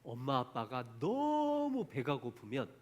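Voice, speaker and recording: Speaking slowly with huge swings in pitch, a man teaches an online Bible lesson for children, captured on a muffled recording. He tells the story with strong emphasis, repeatedly asking the kids questions and then answering them himself.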